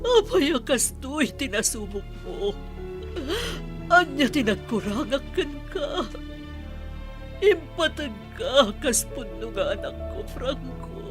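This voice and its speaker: A woman's voice: high-pitched, very animated, slow pace, over music, exaggerated voice. A woman playing a grieving mother. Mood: tearful. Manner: tearful pleading. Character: grieving mother of a jailed son.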